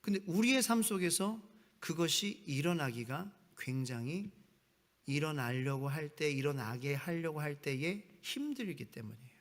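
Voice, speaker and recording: Preaching as pastor at a midweek evening service, this man reads from scripture and acts out the jeering voices of the crowd. He speaks at a moderate pace in an animated, slightly high voice. The sanctuary gives the recording a long, echoing church-hall reverb.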